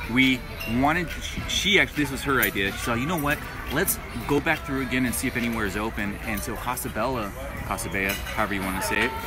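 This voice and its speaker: A man at a very fast pace, with clear music in the background. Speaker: vlogger. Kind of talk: casual vlog chat. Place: street. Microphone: phone near.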